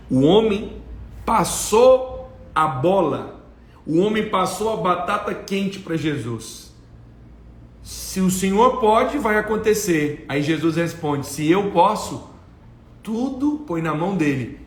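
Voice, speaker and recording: Pastor preaching to a live audience, a man with a high voice, slow emphatic phrasing, acts out the voices of scripture figures, reverberant room. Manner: preaching, acting out the voices of Bible figures in quotes; slows right down for emphasis and swings between loud and soft. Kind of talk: sermon on a live stream.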